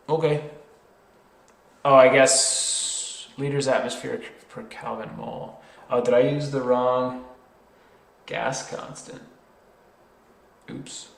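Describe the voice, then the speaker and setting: A male tutor talks through a worked problem at a slow pace, in an informal way. He is hesitant and thinks aloud, correcting himself as he goes. The sound is roomy, with clear echo around his voice. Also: mid-range voice.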